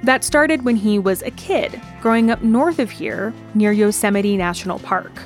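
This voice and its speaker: A woman reporter narrating a radio news feature in a clear, steady way. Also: medium pitch, moderate pace, soft background music.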